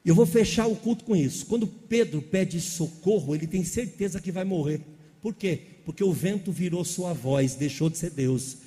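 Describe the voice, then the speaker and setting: A man preaches with animated energy and keeps calling out questions to his congregation. His voice sits a little high but sounds warm and mellow. A long reverb from the church hall trails behind each phrase. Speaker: pastor. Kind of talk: sermon.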